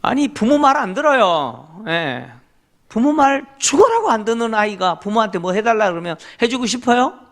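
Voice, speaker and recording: A man's voice: high-pitched, very animated, moderate pace, fairly bright tone. A middle-aged man preaching a Korean sermon as pastor, emphatic, asking the congregation rhetorical questions and affirming with short interjections. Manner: leads congregation in reading scripture aloud.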